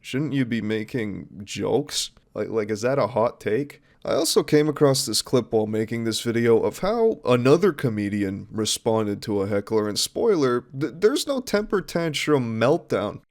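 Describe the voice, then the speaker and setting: Male commentator, mid-pitched, informal and critical, with a mocking edge. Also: very animated, normal speed, hardly any pauses. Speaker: commentary video host. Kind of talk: casual opinionated commentary.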